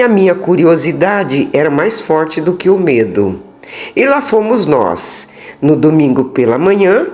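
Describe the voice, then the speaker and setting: Slow, expressive Brazilian woman storyteller, low voice. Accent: Brazilian Portuguese. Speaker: storyteller, channel host. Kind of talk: scripted horror story narration.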